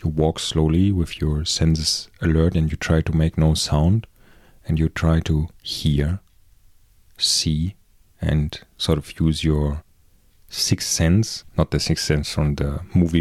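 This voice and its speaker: A man with a German accent hosting a podcast, speaking in a calm, reflective, measured way as he reads and explains. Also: extremely low pitch, no echo, clean studio sound. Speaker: podcast host. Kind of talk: calm reflective podcast talk, reading aloud and commenting.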